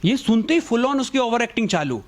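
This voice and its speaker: A young man doing stand-up comedy, telling a school story and acting out the people in it with shifting voices. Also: a little fast. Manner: animated, acts out quotes with shifting pitch. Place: comedy stage with audience.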